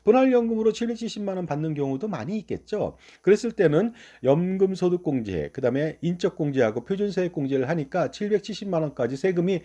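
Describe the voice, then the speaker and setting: A middle-aged man walks through pension rules in an explanatory talk. His voice is warm and mellow, and it swings up and down with lively emphasis. Now and then he turns to the listener with a rhetorical question. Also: high voice, fast talker, hardly any pauses. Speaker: finance channel host.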